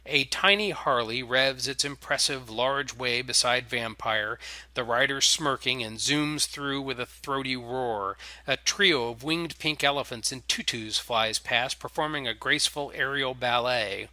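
Guy reading a story out loud, kinda theatrical, super crisp bright voice, dry recording. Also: mid-range voice, a little slow, dry recording. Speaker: narrator. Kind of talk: scripted story narration.

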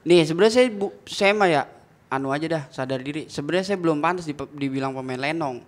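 A man's voice: a little high, fast talker. A young man with a Betawi accent, a comedian chatting as a guest. He talks bluntly and chattily and laughs easily. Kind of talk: casual chat.

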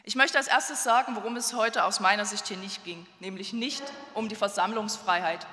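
Woman councillor, firm and direct, bright crisp voice, roomy hall echo. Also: mid-range voice, steady tone, normal speed. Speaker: city councillor. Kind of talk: formal council speech. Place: large council hall, at a lectern. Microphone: lectern gooseneck microphone. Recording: roomy hall with long reverb.

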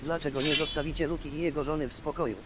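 An actor playing a bold young wandering fighter, the blunt and challenging hero of a fantasy video game. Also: male voice, on the high side, fairly even intonation, very fast, lightly acted. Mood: defiant. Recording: game audio with clear ambient noise.

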